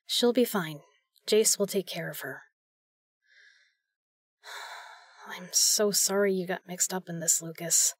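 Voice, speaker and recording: A tough female secret agent played by a woman in an audio drama, protective and grim. Her voice is on the low side and very dry in sound, and she talks bluntly. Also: slow pace, pauses often, no room sound. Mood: worried, apologetic. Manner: blunt, matter-of-fact.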